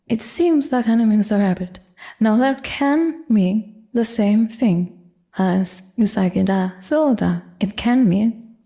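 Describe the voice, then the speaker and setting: An older woman explaining grammar in a measured, careful lecture. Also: on the high side, dark tone. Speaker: Japanese language teacher. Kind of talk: grammar lesson narration.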